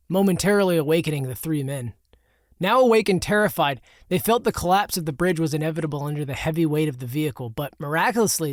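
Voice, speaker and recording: A man reading his own comic audiobook in an even, matter-of-fact way. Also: a little high, dry recording, studio quality. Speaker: author and audiobook narrator. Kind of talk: scripted audiobook narration.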